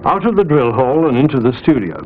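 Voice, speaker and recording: A man's voice: mid-range voice, animated, brisk. A British man delivering scripted narration for a training film, as its narrator. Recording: hissy, narrow 1960s film soundtrack.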